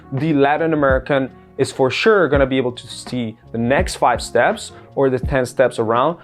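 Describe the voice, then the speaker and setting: A man from Colombia talks business straight to camera in an earnest, persuasive way. His voice sits at an ordinary pitch for a man. Soft guitar music plays quietly behind him. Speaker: business owner. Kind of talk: direct-to-camera business talk. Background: faint guitar music.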